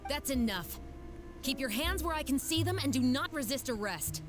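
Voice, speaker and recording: A woman's voice: high-pitched, lively intonation, normal speed. An actress voicing a stern, no-nonsense female officer in a video game, curt and commanding. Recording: game music underneath.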